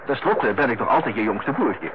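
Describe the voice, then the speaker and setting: An actor playing a lighthearted, teasing youngest brother in a Dutch radio play, with a jovial, bantering manner. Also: male voice, mid-range voice, sing-song, normal speed, close to an everyday voice. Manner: jovial, bantering, chuckling way of talking. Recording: dull, noisy old radio play recording.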